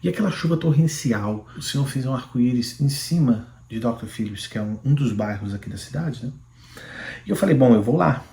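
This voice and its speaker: A middle-aged man with a Brazilian Portuguese accent, telling his personal faith testimony in an animated, fervent way. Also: medium pitch, fairly quick, creaky. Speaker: Christian YouTuber giving a testimony. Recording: roomy echoing room.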